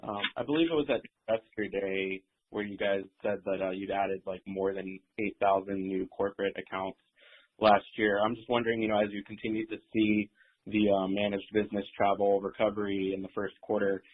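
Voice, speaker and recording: A man's voice: fairly low pitch, steady tone, brisk, husky. A man asking a casual, polite question as a business journalist on a conference call. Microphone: phone. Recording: narrow muffled phone line.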